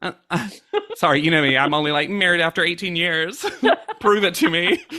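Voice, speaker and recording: The speaker has a North Carolina accent. The pace is fairly quick. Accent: North Carolina Southern. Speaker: podcast co-host. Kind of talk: casual chat.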